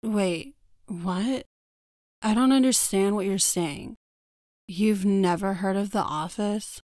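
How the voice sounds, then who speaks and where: A woman voicing a sarcastic, deadpan girl who talks in a flat monotone. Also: mid-range voice, slow, dry recording, studio quality, close to an everyday voice.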